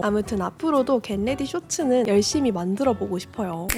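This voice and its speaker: Over music in the background, a woman talks at a fairly quick pace in a fairly high pitch with very wide pitch swings. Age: 20s. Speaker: lifestyle vlogger. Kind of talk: vlog voice-over narration. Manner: casual, friendly.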